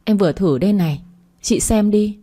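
A woman's voice: medium pitch, normal speed, warm tone, natural voice. A woman reading a story aloud, voicing a young pregnant mistress who begs and pleads tearfully. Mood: pleading. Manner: begging, tearful.

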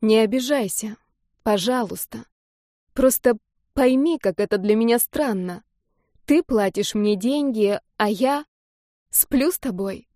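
A stubborn, hurt young woman pleads, close to tears, in a mellow, rounded tone, as a narrator reads her lines. The sound is dry and close, with no room around it. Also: high voice, animated, normal speed, hardly any pauses, no echo, voice pushed up. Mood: pleading.

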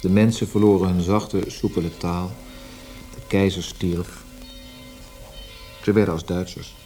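Low, mellow, brooding poet. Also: male voice, steady tone, unhurried, faint music behind. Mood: melancholy. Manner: lyrical, introspective. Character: brooding, weary, melancholy male Austrian poet. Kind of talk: literary radio drama acting.

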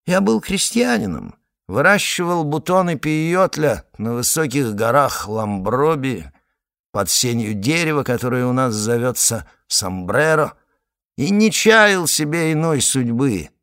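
A man voicing a small, fat, proud male detective from the south who speaks with a put-on foreign accent and a flowery, quick-tempered manner. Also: mid-range voice, fairly bright tone, dry recording, studio quality, pitched above the performer's own voice.

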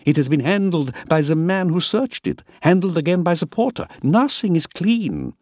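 A man voicing a thin, fussy older foreign gentleman who is impatient and prim about dirt, in an audiobook. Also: high-pitched, huge pitch swings, normal speed, no echo, clean studio sound, pitched above the performer's own voice, exaggerated voice.

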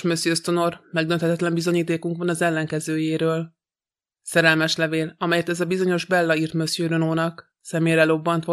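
A man reading a detective novel aloud as an audiobook narrator, in a measured, even way. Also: clean tone. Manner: even, measured reading with little pitch movement.

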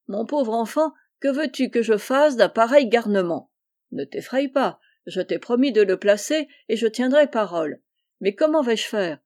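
A woman voicing a kindly, jovial middle-aged man who teases gently in an audiobook reading. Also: fairly high pitch, lively intonation, normal speed, close to an everyday voice. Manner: jovial, warm-hearted.

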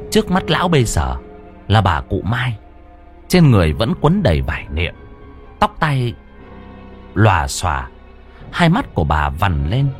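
A man narrating a ghost story dramatically. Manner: dramatic, swinging pitch.

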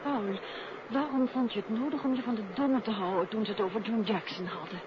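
Casting: woman to play outspoken, teasing radio-play wife, fairly high and questioning; muffled, hissy 1950s recording. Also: brisk, lightly acted. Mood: reproachful, teasing. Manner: questioning, playful, direct. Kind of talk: 1950s Dutch radio drama acting.

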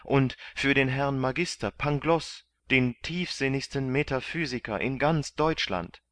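A man voicing an earnest, excitable young hero who pleads eagerly in a raised voice in a storybook reading. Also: fairly low pitch, a little slow. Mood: eager, excited.

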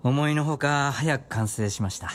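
妻に思わせぶりに答える気楽な作家の夫を演じる男性俳優。ラジオドラマの芝居。. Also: male voice, medium pitch, moderate pace, slight background noise, natural voice. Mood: playful. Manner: relaxed, teasing, evasive. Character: easygoing novelist husband, coy. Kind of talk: radio drama acting.

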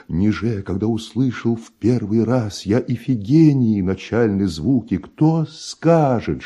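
A man acting a proud, bitterly envious middle-aged composer in a theatrical verse monologue for radio drama, solemn and declamatory, with weighty pauses and a husky voice. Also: deep voice, dark tone, exaggerated voice. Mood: indignant. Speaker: actor.

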